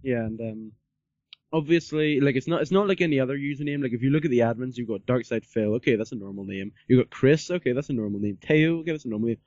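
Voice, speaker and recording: Male podcast host, casual and rambling, mellow tone, muffled lo-fi audio. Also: medium pitch, fast talker, dry recording. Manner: rambling, repeats himself, peppers talk with "like". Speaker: podcast interviewer. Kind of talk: casual interview chat.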